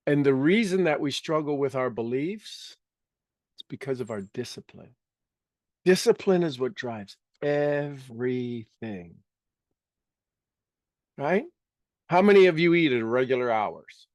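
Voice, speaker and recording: A man's voice: medium pitch, lively intonation, measured pace, long pauses, a little mellow, no echo, studio quality. Emphatic man leading a live workshop. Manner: emphatic, repeats key words, casual asides. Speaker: motivational workshop speaker. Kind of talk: live seminar teaching to an audience.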